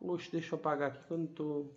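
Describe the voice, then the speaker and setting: A man's voice: fairly high pitch, little pitch movement, racing, echoey room, highs cut off. A man teacher giving a literacy lesson at a whiteboard, spelling out sounds and syllables one by one. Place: room with a whiteboard.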